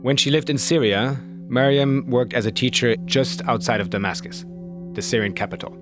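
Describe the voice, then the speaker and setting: Male podcast host, scripted narration, measured, composed, music clearly behind. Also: medium pitch.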